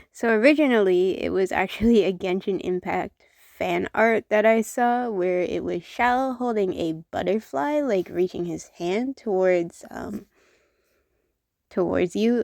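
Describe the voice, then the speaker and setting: Young woman, art vlogger, casual rambling, gravelly, dry recording. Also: medium pitch, warm tone, dry recording. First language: not Chinese-first; Chinese is her second language. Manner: rambling, many fillers and self-corrections. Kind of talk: casual chat while drawing.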